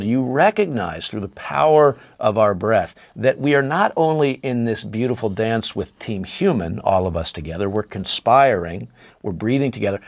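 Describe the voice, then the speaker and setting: A man's voice: mid-range voice, dry recording. A man speaking as a podcast guest and breathwork instructor, effusive and inspirational in a casual interview.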